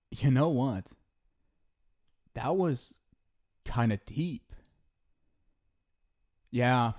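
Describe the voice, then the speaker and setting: A man's voice: medium pitch, mellow, lightly acted. A man playing an affectionate, centuries-old ghost soulmate in an intimate ASMR roleplay, speaking casually and hesitantly. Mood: wry, amused. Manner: casual, hesitant, tender, reassuring.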